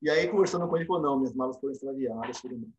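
A man's voice: mid-range voice, racing, rough recording. A Brazilian man, a dentistry professor, telling stories in a casual remote interview and acting out the lines he quotes. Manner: animated storyteller, acts out quotes. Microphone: remote call microphone.

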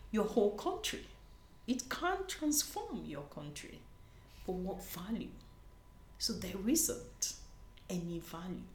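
A woman from Nigeria, a conference panelist, talking earnestly in an interview and often restarting her sentences. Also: mid-range voice. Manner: earnest, searching, frequent restarts. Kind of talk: conversational interview. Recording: echoey room with faint noise.

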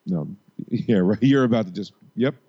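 A man's voice: fairly low pitch, moderate pace, dark tone, breathy edge. A man co-hosting a podcast in casual chat, joking and rambling with restarts, on dull lo-fi sound. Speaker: podcast co-host.

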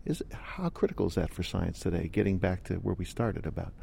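A man hosting an interview podcast, asking questions in a measured, conversational way. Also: low-pitched, expressive, gravelly, mellow, slight background noise. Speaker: radio podcast host. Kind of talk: interviewing a guest.

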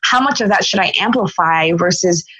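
A woman's voice: lowish voice, normal speed, fairly bright tone, slightly rough, no echo, highs cut off. A woman in her forties from Philadelphia, a podcast guest telling her own story in an earnest, reflective way, often restarting her sentences. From Philadelphia, United States. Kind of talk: podcast interview, personal storytelling.

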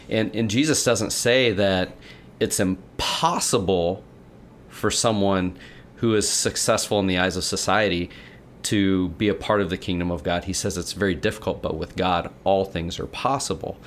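Guy w a lowish voice chatting about faith, animated storyteller, slight hiss behind. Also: moderate pace. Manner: animated storyteller, acts out quotes. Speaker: podcast co-host. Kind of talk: casual faith discussion.

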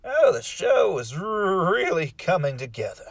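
A man's voice: high voice, very animated, unhurried, gravelly, background noise. A man hosting a horror-comedy show in a campy, theatrical manner. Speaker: podcast host.

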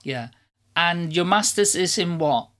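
A woman's voice: lowish voice, animated, unhurried, fairly bright tone. A woman who is not a native English speaker, interviewing a guest and asking rambling, encouraging questions full of fillers. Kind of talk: conversational interview.

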